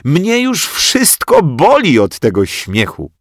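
A man voicing an excitable kindergarten boy who can't stop laughing, in a high breathless voice. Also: slow pace, no echo, studio quality, exaggerated voice. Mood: giggly, excited.

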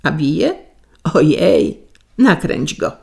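A woman's voice: low-pitched, sing-song, drawn-out words, vocal fry, darkish tone, heavily acted. A woman voicing a nosy, quarrelsome old village wife who shrieks for help in a folk tale. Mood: prying.

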